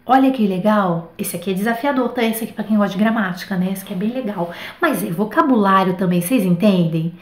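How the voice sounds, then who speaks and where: A woman's voice: mid-range voice, fast talker, few pauses, echoey room. A Brazilian woman giving a casual, chatty online French lesson, peppering her talk with little fillers. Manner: chatty, animated, many fillers like tá and né. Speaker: French teacher.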